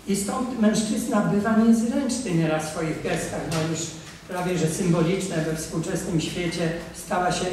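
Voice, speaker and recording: Older male priest, emphatic lecturer, fairly high voice, very echoey room, heard from a distance. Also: a little hiss or hum. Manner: emphatic, exhorting, swings between loud appeals and quiet asides. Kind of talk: lecture on marriage. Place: conference room, seated at a table. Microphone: table mic, camera from across the room.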